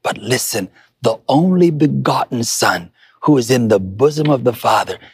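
This man's medium-pitched, breathy voice has lively intonation and a moderate pace, captured with clean studio sound and no echo. As a pastor, he preaches a motivational sermon online, emphatically instructing listeners and repeating key phrases for emphasis.

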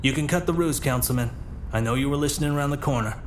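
A man playing a steady, authoritative 1940s New York police commissioner in a pulp radio drama, speaking firmly and with dry, measured sternness. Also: medium pitch, background noise, close to an everyday voice. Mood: stern, dry.

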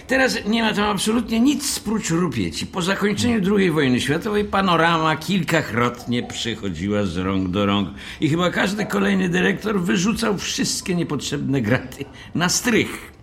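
An actor playing a pompous, officious hotel manager in an audio drama, speaking in a formal, methodical way. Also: male voice, high voice, very animated, moderate pace, creaky, few pauses, fairly bright tone, full character voice. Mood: brisk, officious. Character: officious, pompous male hotel manager briefing a new caretaker.

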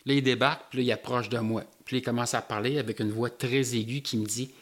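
A man with a Québécois French accent, telling a personal story in an animated way with local slang. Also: medium pitch, quick pace.

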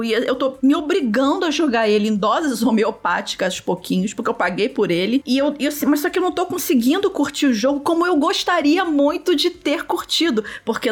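Brazilian woman rambling on a gaming podcast from home, a bit high voice. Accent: Brazilian Portuguese. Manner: chatty and rambling, with many restarts. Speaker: podcast co-host. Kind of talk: casual gaming podcast chat. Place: home, recorded remotely.

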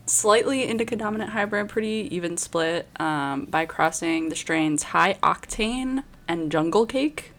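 A woman with a slightly low voice co-hosts a podcast. Her delivery is casual and easygoing, in an informal conversational style. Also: expressive, a little slow, few pauses, fairly bright tone. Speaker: podcast co-host. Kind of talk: casual chat.

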